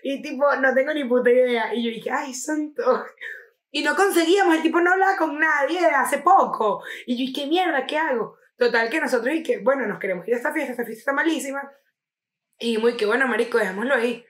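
A woman's voice: sits high, a little fast. Slangy Venezuelan woman in an echoey room. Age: young adult. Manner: animated storyteller, slangy and swearing. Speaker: podcast co-host. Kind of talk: casual chat.

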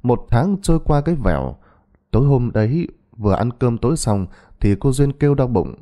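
A man narrating a village tale for a ghost-story channel in an expressive storytelling manner. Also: mid-range voice, normal speed.

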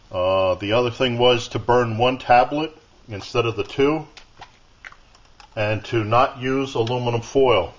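A man giving a casual hands-on demonstration at a workshop bench, explaining each step in a plain, unhurried way. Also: fairly low pitch, a little hiss or hum. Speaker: outdoor gear video maker. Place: workbench in a home workshop. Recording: dull lo-fi camera audio.

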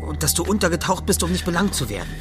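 A man's voice: fairly high pitch, sing-song, rapid-fire. A determined ally in a horror audio drama. He speaks urgently and dramatically, like someone confiding a grave secret, with music prominent behind him. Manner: conspiratorial, dramatic, explanatory. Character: urgent, determined male friend leading a breakout.

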